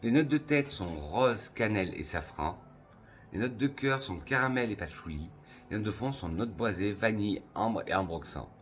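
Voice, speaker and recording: A man from France talks through perfumes in a casual review, low in pitch and savoring each note. He lists ingredients slowly with pauses, clearly enthusiastic. Faint music plays behind him. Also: expressive. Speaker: perfume youtuber.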